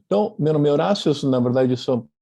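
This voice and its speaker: A man's voice: on the high side, animated, fast, creaky, mellow, no room sound. A man from Argentina with a light Argentine accent, giving an online talk over a video call, thoughtful and full of fillers and restarts. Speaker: guest speaker, publisher. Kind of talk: online lecture presentation.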